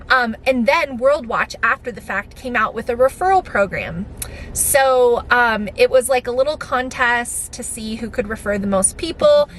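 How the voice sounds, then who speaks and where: A middle-aged American woman talking in a casual, chatty vlog style, explaining things conversationally. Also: a bit bright. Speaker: vlogger and homeschooling mother. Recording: clearly noisy, vehicle rumble.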